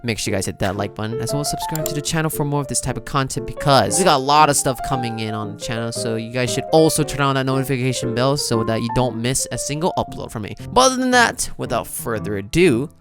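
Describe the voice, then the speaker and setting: A man's voice: mid-range voice, animated, fast talker, few pauses. A man giving casual, slangy and exclamatory reaction commentary as a video host. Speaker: video host, game reaction content creator. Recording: music playing behind the voice. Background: music.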